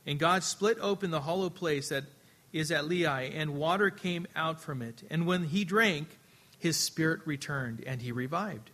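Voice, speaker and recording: A man preaching a sermon earnestly, his voice swelling louder and then dropping soft, often repeating words as he restarts. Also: fairly high pitch, normal speed. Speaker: pastor.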